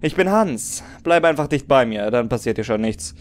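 A man's voice: mid-range voice, lively intonation, moderate pace, lightly acted. A man playing a jaded but comradely veteran soldier in an audio drama, blunt and resigned.

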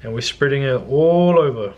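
A man's voice: medium pitch, moderate pace, a little mellow, highs cut off. A young man giving a casual, slangy cooking demonstration in a laid-back way. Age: young adult. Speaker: cooking vlogger. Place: home kitchen, indoors.

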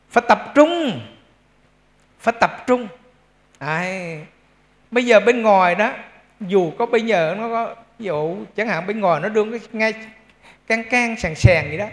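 His voice sits high and a bit bright. He's a male Buddhist monk with a Central Vietnamese accent giving a conversational dharma talk in a temple hall, checking in with the audience and adding humorous asides.

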